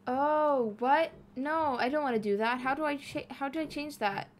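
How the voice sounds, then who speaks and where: A woman's voice: sits high, fast, slight background noise. A woman streaming live as a VTuber, chatting casually with her chat while playing a game, giggling often and swearing freely.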